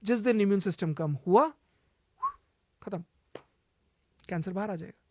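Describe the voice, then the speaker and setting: Urgent, emphatic higher-voiced man. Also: unhurried, warm tone, dry recording. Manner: urgent, emphatic, repeats warnings; mixes English phrases into Hindi. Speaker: guest, cancer healer. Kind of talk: advice-giving interview talk.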